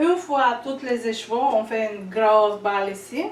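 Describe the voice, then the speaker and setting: Amid noticeable background noise and audible room echo, a woman speaks in a high voice with lively intonation. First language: not French (third language) (speaking French). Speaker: yarn studio owner. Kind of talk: workshop tour explanation. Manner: hesitant.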